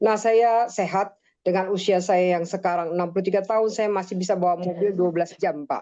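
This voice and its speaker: At a fairly quick pace, a woman speaks in a medium pitch with a dark, mellow tone, fairly even intonation and very even loudness. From Indonesia, Manado (North Sulawesi); in Jakarta from age 2. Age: 60s. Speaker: seminar participant asking questions. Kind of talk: Q&A testimony on video call. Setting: Zoom video call. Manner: halting, many fillers.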